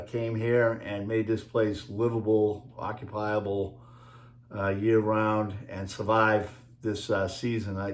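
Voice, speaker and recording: A man with a Boston accent rambling through a casual monologue, halting often with fillers as he talks over slides. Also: lowish voice, reverberant. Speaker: video creator and author.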